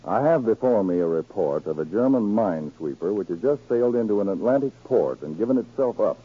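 An actor playing a stern, commanding government counterspy chief in a 1940s radio drama, with clipped, deliberate speech. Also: male voice, fairly low pitch, animated, breathy edge. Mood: urgent, grave. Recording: scratchy, narrow-band 1940s radio recording.

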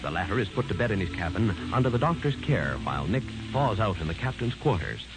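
A man's voice: lowish voice, big pitch swings, quick pace, low-quality recording. A man announcing and narrating a radio drama in scripted 1940s style. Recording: old radio recording. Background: music.

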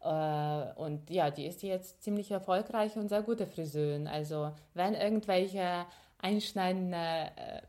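A young woman from Ukraine talks in a relaxed podcast chat, her voice sitting on the low side. She reflects as she goes, pausing on fillers and restarting sentences. Ukrainian is her first language. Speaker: podcast co-host. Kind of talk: casual conversation.

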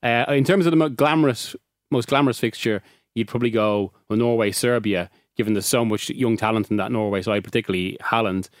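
A man's voice: on the low side, a little fast, no room sound, clean studio sound. A man with an Irish accent talking football as a regular on a podcast, chatty, often restarting and laughing. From Ireland. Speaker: football journalist. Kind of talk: casual podcast discussion.

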